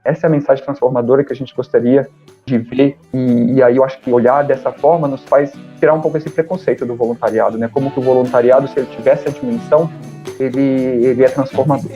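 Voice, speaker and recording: A man, speaking as a podcast guest, thinking aloud with frequent pauses and fillers. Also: mid-range voice, steady tone, dark tone, faint music behind. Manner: thoughtful, hesitant, many fillers. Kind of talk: casual conversation. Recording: dull lo-fi sound.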